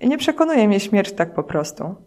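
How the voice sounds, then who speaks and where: A woman's voice: medium pitch, sing-song, moderate pace, a little mellow, natural voice. A woman reading as a doubting dead man. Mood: musing.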